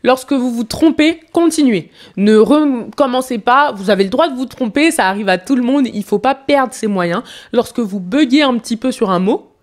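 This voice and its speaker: A woman's voice: fairly high pitch, animated, normal speed. A woman public speaking coach commenting on a televised interview, giving advice straight to the viewer. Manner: advising, direct to viewer. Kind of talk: speech analysis commentary.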